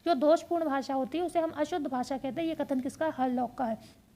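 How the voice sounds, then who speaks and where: Woman teacher doing exam prep lecture, pretty high voice, asks a question then answers it herself. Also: steady tone, fairly quick, warm tone. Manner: explains step by step, repeating key points as questions and answers.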